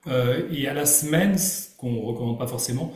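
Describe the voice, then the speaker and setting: A man's voice: mid-range voice, normal speed, darkish tone. A man, the director, answering webinar questions with stammering restarts. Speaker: director general. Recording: echoey room.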